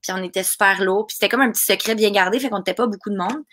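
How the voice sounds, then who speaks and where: A young adult woman with a Québécois French accent, a guest chatting casually and animatedly on a podcast with many quick asides. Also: mid-range voice, fairly bright tone. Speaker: guest, voice actress.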